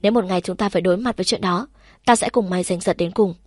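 A blunt, caring young woman in a spoken novel, frank and protective toward her best friend, as the woman narrating reads her lines. The voice is a middle-pitched everyday one, recorded close and dry. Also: rapid-fire, a little mellow, no room sound, natural voice. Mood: earnest.

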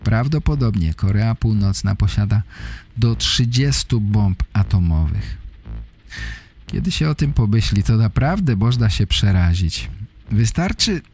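A man hosting a podcast, giving an explanatory monologue for language learners in short, deliberately phrased sentences. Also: medium pitch, gravelly, darkish tone, slightly rough. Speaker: podcast host.

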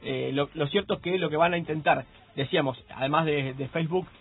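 Joking Argentine radio co-host, tinny. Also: male voice, on the high side, fairly quick, breathy edge. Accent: Argentine Spanish. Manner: loose, joking, stumbles and restarts. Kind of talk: casual radio chat. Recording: phone-like radio broadcast.

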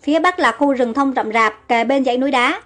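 A woman voicing a cunning, ruthless male king who barks commands, in a high voice. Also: brisk, fairly bright tone, soft background music. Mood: commanding. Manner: commanding orders.

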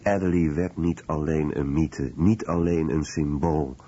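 A man reading a scripted documentary voice-over in a measured, serious way. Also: very deep voice, fairly even intonation, dark tone, lo-fi sound, a little hiss or hum.

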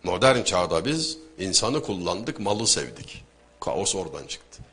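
A man giving a conversational religious and literary talk, telling anecdotes with rhetorical questions and sudden loud emphasis. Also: deep voice, sing-song, unhurried, soft background music.

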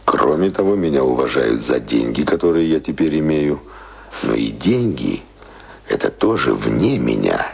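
A man's voice: very deep voice, big pitch swings, moderate pace, vocal fry, slightly rough, full character voice. A man acting in a Russian radio play as an embittered, celebrated man who is sick of life, speaking in brooding theatrical monologue. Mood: bitter, measured. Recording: radio drama with music underneath.

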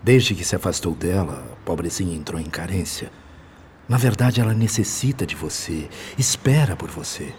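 An actor as a low-voiced, kindly fatherly spirit, sorrowful. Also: close to an everyday voice. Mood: sad, pleading. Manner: gentle, compassionate, measured. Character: kind, sorrowful male benefactor spirit, fatherly religious brother. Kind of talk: radio drama acting. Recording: clear background noise and ambience.

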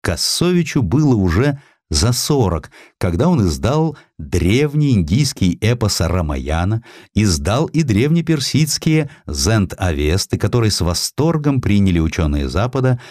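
A male audiobook narrator tells history in a theatrical, measured way. His voice sits on the low side and moves with lively, varied intonation. The sound is dry, with no room on it. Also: no room sound. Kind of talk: expressive scripted historical narration.

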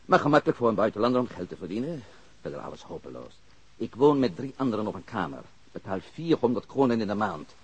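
An actor playing a bitter foreign labourer in an audio drama, terse, hesitant and disillusioned. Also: male voice, on the low side, big pitch swings, quick pace, slightly rough, dull audio, exaggerated voice. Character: bitter foreign labourer, man, reluctant police witness.

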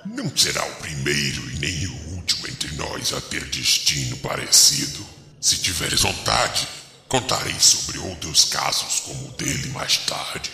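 A man's voice: a bass voice, big pitch swings, a little slow, gravelly, sharp tone, voice pushed down, exaggerated voice. A man playing a grim, sardonic old ghost who guides through a cemetery in solemn, archaic phrasing, in a horror audio drama. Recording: echoey hall reverb, music behind.

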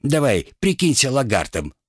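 A man's voice: medium pitch, wildly swooping pitch, normal speed, no echo, clean studio sound, voice pushed up. A man voicing a scheming, talkative male ship rat who hisses and bosses others about. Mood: bossy. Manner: hissing, theatrical, bossy.

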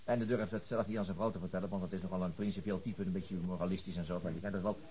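An actor playing an earnest, thoughtful police chief inspector in naturalistic radio drama dialogue. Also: male voice, deep voice, fairly even intonation, very fast, warm tone, a little hiss or hum, lightly acted, rough recording. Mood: reflective.

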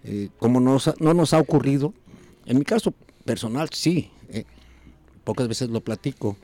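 A man's voice: medium pitch, expressive, normal speed, dark tone, dry recording. A Mexican man hosting a casual talk show, rambling with many fillers and restarts. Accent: Mexican Spanish. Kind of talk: casual radio chat.

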